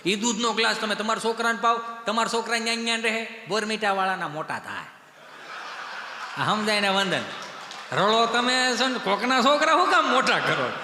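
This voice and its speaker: Here the same kind of folk stage comedy comes in a high, brisk male voice with a Kathiawadi Gujarati accent. This stand-up comedian tells rustic comic stories with animated flair and banter in country dialect. It's picked up through a live stage PA in an echoing hall.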